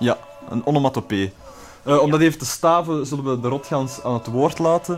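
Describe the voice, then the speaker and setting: A man at a fairly high pitch with ordinary variation, talking at a fairly quick pace with music in the background. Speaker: radio host. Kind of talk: casual radio chat. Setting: radio studio.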